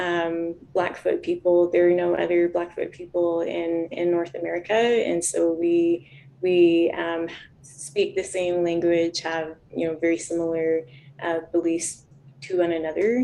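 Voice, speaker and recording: A woman's fairly low voice, monotone and flat, at a fairly slow pace. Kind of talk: interview. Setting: video call.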